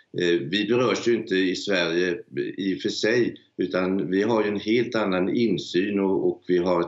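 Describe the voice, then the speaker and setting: A man speaks at a moderate pace in a fairly low pitch, his intonation fairly even and his loudness very even. The background is quiet, though the room echo is audible. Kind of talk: interview answer. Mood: concerned, measured. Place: home room. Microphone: video call.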